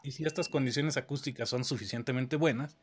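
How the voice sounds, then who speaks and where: A man's voice: mid-range voice, steady tone, a little fast, a little hiss or hum. A man, teaching in a casual conversation and explaining dubbing work patiently, often checking whether his listener follows. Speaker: audio engineering teacher.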